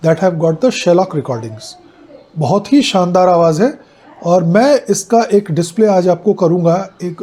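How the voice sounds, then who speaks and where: A man with an Indian accent hosting an explanatory vlog, talking in a deliberate, measured way with formal turns of phrase. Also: high-pitched, mellow, breathy edge. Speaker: host of an analogue audio channel. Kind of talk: explanatory vlog talk, switching between Hindi and English.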